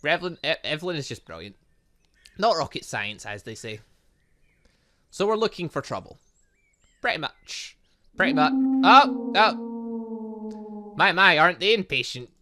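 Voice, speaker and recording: A man's voice: high-pitched, big pitch swings, measured pace, long pauses, bright, forceful tone. A man giving casual, rambling let's play commentary as a gaming YouTuber, chatting away and often interrupting himself.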